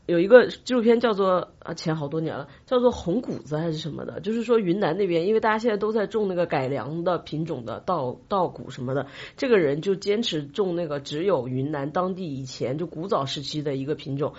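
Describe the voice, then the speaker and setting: A woman co-hosting a podcast, chatting casually and telling anecdotes in an animated, repetitive way. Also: low-pitched, fairly quick, hardly any pauses, slightly rough, dull audio. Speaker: podcast co-host.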